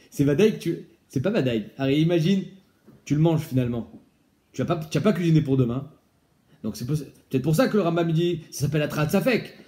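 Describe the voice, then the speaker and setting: Male Talmud teacher, fairly high voice, lively questioning style, casual study session. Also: brisk. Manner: lively, explains by asking questions, mixes in Hebrew and Aramaic terms.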